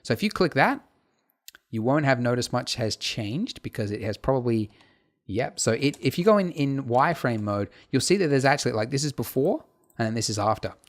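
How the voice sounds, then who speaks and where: A man teaching a casual software tutorial over his screen, chatty and full of fillers and asides. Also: mid-range voice, expressive, a little fast. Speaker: tutorial instructor.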